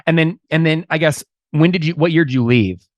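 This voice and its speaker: A man hosting a founder interview show, pitching a product fast and then firing off pointed questions. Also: no room sound, muffled recording. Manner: brisk, pushy, salesman-like. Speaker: podcast host.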